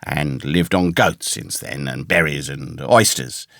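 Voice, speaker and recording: A man voicing a ragged, pious, half-crazed castaway sailor with a hoarse, awkward voice and rambling rustic seaman's talk, in a storybook reading. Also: very deep voice, slow, fairly bright tone, dry recording, clean studio sound, pitched below the performer's own voice, exaggerated voice. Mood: forlorn.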